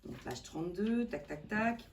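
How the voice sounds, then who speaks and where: A woman hosting a casual vlog about tarot decks, enthusiastic and hesitant with many fillers, reading card messages calmly. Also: medium pitch, measured pace, a little hiss or hum. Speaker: tarot reader and channel host. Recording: voice from a distance.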